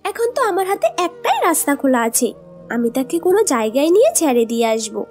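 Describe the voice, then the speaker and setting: Woman playing a high-voiced, snappish selfish mother bird. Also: big pitch swings, fairly quick, darkish tone, soft background music. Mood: resentful. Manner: whiny, snappish, dismissive. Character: selfish, sulky mother bird who wants a son. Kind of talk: children's cartoon acting.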